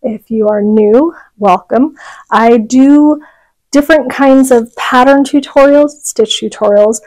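A woman's voice: high-pitched, slow, darkish tone, rough recording. A middle-aged woman hosting a casual, chatty knitting tutorial, talking carefully with half her face numb and heavy from a dental filling. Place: small furnished room at home.

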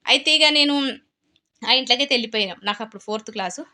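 A woman's voice: a little high, fast talker, pushed and bright. A woman with a Telangana Telugu accent, chatting casually as a cooking vlogger and telling a story while she cooks, often repeating her phrases.

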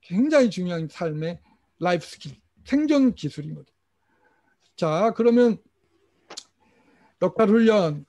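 A middle-aged man leads a parent training session in an easy, chatty lecture style. His voice sits noticeably high, and he moves through personal family anecdotes, acting out short quotes from his relatives. It sounds like a talk given over an online screen share. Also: expressive, a little slow, pauses often, mellow. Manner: storytelling, mimics family members in quotes, chuckles. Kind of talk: casual lecture with acted quotes.

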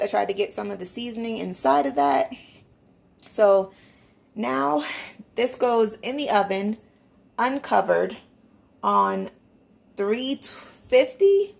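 A woman's voice: medium pitch, animated, slow, gravelly, pauses often. A young woman chatting casually in a cooking vlog, explaining each step to her viewers from her home kitchen. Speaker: vlogger.

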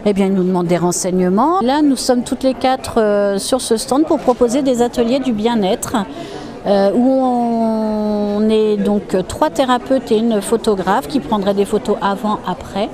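A woman hypnotherapist explaining her practice in an interview, calm and explanatory. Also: on the high side, unhurried. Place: busy exhibition hall. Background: crowd chatter.

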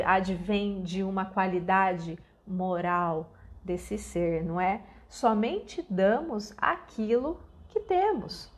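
A woman delivers a devotional talk at an unhurried pace. She is reflective and measured, and often checks in with her listeners through soft tag questions. Faint background noise sits under the recording. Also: medium pitch. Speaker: spiritist lecturer. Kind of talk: devotional lecture.

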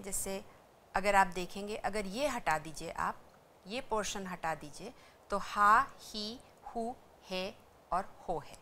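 Slow, patient woman teaching a lesson. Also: medium pitch, a bit bright, slight background noise. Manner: slow, patient explaining, repeating syllables for practice. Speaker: Japanese language teacher. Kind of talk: educational lecture.

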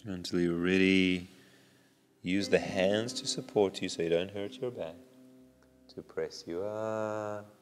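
Man, middle-aged yoga teacher, very low voice, soft guitar music behind, long reverb. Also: fairly even intonation. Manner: slow, soothing cues timed to the breath. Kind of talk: guided yoga class instruction. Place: indoor yoga studio with bare walls. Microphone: small clip-on lapel mic.

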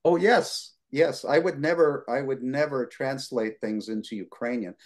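A man's voice: mid-range voice, normal speed. Older man answering on a video call. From United States. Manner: relaxed, rambling, many fillers, gestures with hands. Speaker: guest lecturer. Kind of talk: conversational Q&A answer. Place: home living room.

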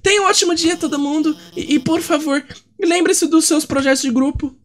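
A man doing a high, stammering nervous monster teacher. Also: a little fast, fairly bright tone, soft background music. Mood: fretful. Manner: hesitant, stammering. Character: nervous female monster teacher, timid and fussy. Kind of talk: video game dialogue read aloud.

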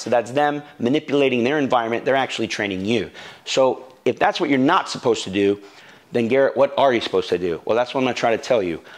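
A man giving a dog training lesson with a wearable mic, speaking directly and coaching the viewer. He repeats key words for emphasis. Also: medium pitch. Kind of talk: instructional video lesson. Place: beside a dog crate. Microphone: wearing a lapel mic.

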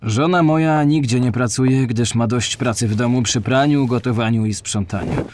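Male actor as contented farm worker, plain and earnest, mid-pitched, dramatised diary reading. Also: normal speed, darkish tone, close to an everyday voice. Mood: plain, homely.

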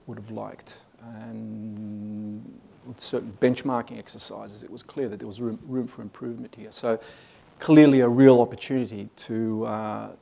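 A man's voice: on the low side, vocal fry, dark tone, breathy edge. A man in his forties with an Australian accent, giving a business talk at a conference with many fillers and restarts. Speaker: conference speaker. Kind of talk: business presentation. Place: conference hall stage.

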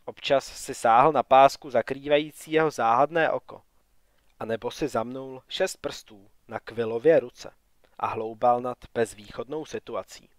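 A man narrating a fantasy audiobook in a calm, even reading. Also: mid-range voice, dry recording. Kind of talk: scripted narration.

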